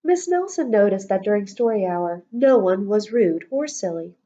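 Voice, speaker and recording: A woman reading a children's storybook aloud in an expressive, deliberate schoolteacher's manner. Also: medium pitch. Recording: dull lo-fi audio.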